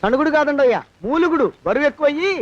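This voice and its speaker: A grumbling put-upon clerk. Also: male voice, very high voice, lively intonation, very fast. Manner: grumbling, sarcastic. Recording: dull lo-fi film soundtrack with faint noise.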